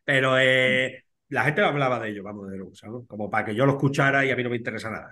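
A man's voice: mid-range voice, fast talker, sharp tone. A Spanish-accented man, a veterinarian, chats loosely as an interview guest. He rambles in an easy, familiar way, ending his phrases with "¿sabes?" and "tío". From Spain. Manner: chatty, peppers speech with "¿sabes?" and "tío". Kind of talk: casual interview chat.

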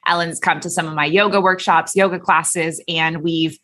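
A woman's voice: lowish voice, steady tone, moderate pace, pushed and bright. A woman from Canada hosting a podcast, upbeat and enthusiastic with her guest. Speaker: podcast host. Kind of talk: podcast interview.

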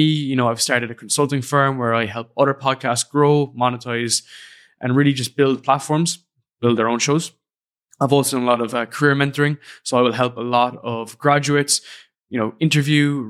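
A man's voice: medium pitch, a bit bright, clear, resonant tone. A young man with an Irish accent, hosting his own podcast and reflecting in a casual, earnest way. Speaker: podcast host. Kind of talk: solo podcast monologue. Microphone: studio podcast microphone.

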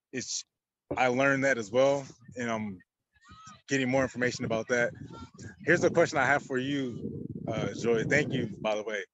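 Man, audience member, asking a question, halting, many fillers, mid pitch. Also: a bit bright, no room sound, low-quality recording.

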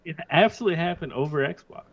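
A man's voice: a little high, fast, muffled recording. A man in his thirties co-hosting a sports podcast, laid-back and jokey in casual banter. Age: 30s. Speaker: podcast co-host.

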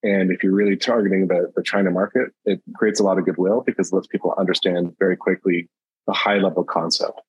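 Man, deep husky voice, measured explanatory talk, dry close sound. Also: flat delivery, no echo, highs cut off. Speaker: podcast guest, industry advisor. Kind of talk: conversational panel discussion.

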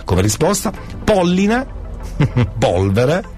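A man's voice: on the high side, sing-song, extremely slow, darkish tone. A man hosting a radio quiz like a showy game show host, playful and jokey, often repeating himself for effect. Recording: music bed behind voice. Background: music.

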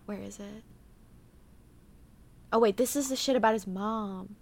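A woman's voice: mid-range voice, measured pace, gravelly, darkish tone. Chatty young woman recounting a crime case. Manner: chatty, full of "like" and "um", reads notes aloud. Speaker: podcast co-host. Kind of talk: casual true-crime chat.

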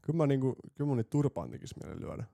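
Young male podcast co-host, deadpan and crude, dark mellow tone, close dry mic. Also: mid-range voice, creaky, no room sound. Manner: deadpan, crude, boastful jokes. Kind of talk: casual banter.

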